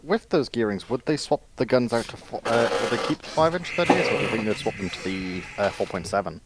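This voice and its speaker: A man's voice: on the low side, expressive, brisk, very noisy. A man chatting casually as a panelist, asking questions and musing aloud.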